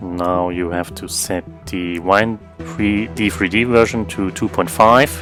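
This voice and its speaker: With a non-native accent, a man speaks at a very slow pace with long, frequent pauses, his very deep, low pitch showing ordinary variation over music in the background. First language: not English. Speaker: gaming tech youtuber. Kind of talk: tutorial voice-over. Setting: low-quality microphone.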